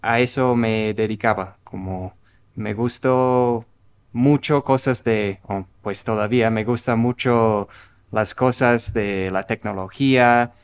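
A middle-aged American man talks in an unhurried, thoughtful way, often restarting words. His voice is smooth and resonant. He speaks quite slowly. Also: lowish voice, steady tone. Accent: American English. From Minnesota, United States. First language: English. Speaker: guest. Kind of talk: casual conversation.

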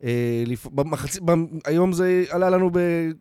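A man chatting casually as a football podcast panelist, in an understated, measured way. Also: a little high, mellow, clean tone, no echo, clean studio sound. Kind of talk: casual football fan chat.

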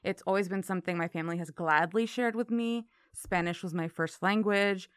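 A woman's voice: medium pitch, brisk, smooth, no echo, clean studio sound. A woman from Miami in her thirties with an American accent, telling her story casually as an interview guest. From Miami, Florida.

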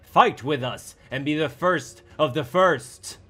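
A man voicing ancient tribal figures calling out to their brethren in loud, pleading declamation for a fantasy story. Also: on the high side, very animated, slow, soft background music, pitched above the performer's own voice, heavily acted. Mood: urgent, angry. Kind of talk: dramatic audiobook-style character acting.

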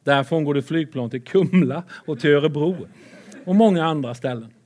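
A man preaching a lively sermon with Bible readings, excitable and playful, swinging between loud and soft. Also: a little high.

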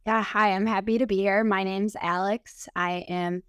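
Woman, thirty-two, Midwestern American accent, crisp resonant voice, dry recording, earnest, casual, peppered with "like". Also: medium pitch, steady tone, normal speed, a bit bright, no echo. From Minnesota, United States. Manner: earnest, filler-heavy with frequent "like". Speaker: podcast guest, sober group leader. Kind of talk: casual personal reflection in conversation.

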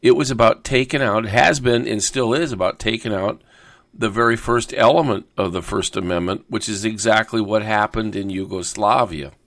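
A man's voice: lowish voice, normal speed, a bit bright. A man hosting a talk radio show, delivering an emphatic, insistent monologue. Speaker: radio host.

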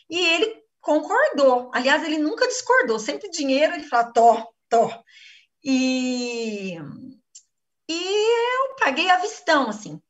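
A woman's voice: high-pitched, a bit bright, recorded from a distance. A Brazilian woman giving an earnest personal testimony in a live class, acting out the things she once said. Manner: earnest, acts out her own quoted speech.

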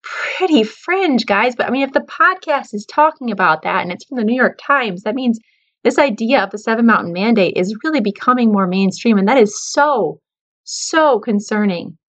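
A woman's voice: on the high side, lively intonation, normal speed, dull audio. A woman in her thirties talking earnestly and with worry to her viewers, calling them guys. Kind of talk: casual talk to camera.

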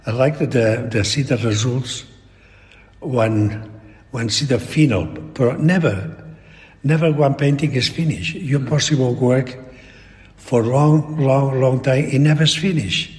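A very old man with a Spanish accent, talking reflectively in an interview in halting, broken English with repeated words. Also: medium pitch, a little mellow. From Spain. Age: elderly. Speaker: painter being interviewed. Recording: long echoing reverb in a hall.

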